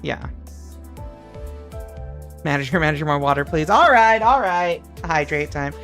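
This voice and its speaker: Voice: medium pitch, lively intonation, a little slow, a bit bright. A streamer casually chatting and joking with a co-host and the chat while playing a game, with faint game music behind.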